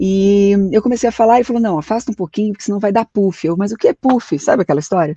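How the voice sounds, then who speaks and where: A very fast, somewhat breathy delivery with a dark, mellow tone, lively intonation and hardly any pauses, in a dry, close sound with no echo and a quiet background. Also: woman, medium pitch for a woman. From Brazil, Taubaté (São Paulo state). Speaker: radio announcer and actress. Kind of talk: interview. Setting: video call.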